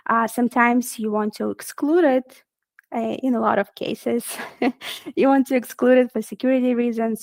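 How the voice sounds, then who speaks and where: A woman's voice: a little high, gravelly, no room sound. A woman presenting a technical webinar in a casual, friendly way, with frequent fillers.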